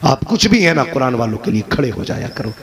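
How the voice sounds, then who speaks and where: A man preaching an emotional sermon to a live gathering, swinging between shouted peaks and quiet, low passages. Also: very animated, brisk. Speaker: Islamic preacher. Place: religious gathering with live audience. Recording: live crowd audible.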